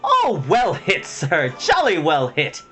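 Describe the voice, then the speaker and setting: Breezy posh bachelor hare, voiced by a narrator: raised pitch, animated, old-fashioned jolly storybook chap. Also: slow pace, faint music behind, full character voice. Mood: jolly, cheering. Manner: plummy old-fashioned chap talk, ends with "what, what". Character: jolly, carefree upper-class bachelor hare, male.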